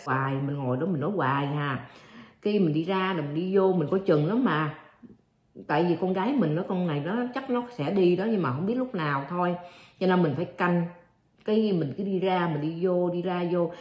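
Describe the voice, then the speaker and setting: A woman's voice: lowish voice, brisk, a little mellow. A middle-aged woman vlogger telling an emotional personal story to her viewers, repeating herself often. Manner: repetitive, addresses viewers as aunts and uncles. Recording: roomy echo.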